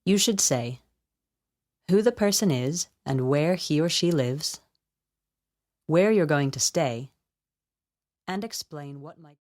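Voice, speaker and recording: A woman reading scripted educational narration in a measured, instructional way. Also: deep voice, lively intonation, a little mellow, dry recording, studio quality. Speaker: voiceover artist and presenter.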